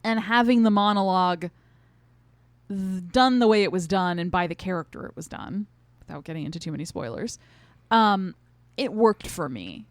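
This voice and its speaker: Lower-pitched woman in casual podcast chat. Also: expressive, moderate pace, no echo. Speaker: podcast co-host reviewing a stage play. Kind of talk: casual conversational review chat.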